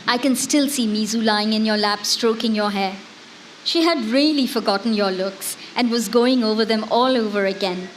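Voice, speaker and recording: Woman reading as devoted wife, high voice. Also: moderate pace, close to an everyday voice, rough recording. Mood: wistful, resolute. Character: devoted, brave wife and mother writing to her jailed husband. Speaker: dramatic reader. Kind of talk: staged dramatic reading of letters. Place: live literary festival event in a garden. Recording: faint background noise, live festival stage.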